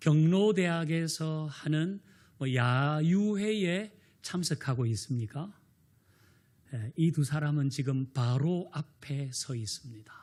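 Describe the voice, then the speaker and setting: On a very clean recording with a silent background, a man with a fairly high pitch speaks very slowly with lively intonation. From South Korea. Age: 50s. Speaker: pastor. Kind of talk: sermon.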